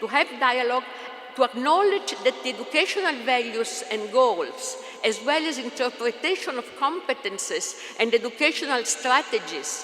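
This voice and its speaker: Over noticeable background noise, a woman with an Italian accent speaks at a moderate pace in a high pitch with lively intonation. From Italy. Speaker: professor. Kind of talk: conference keynote lecture. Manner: halting.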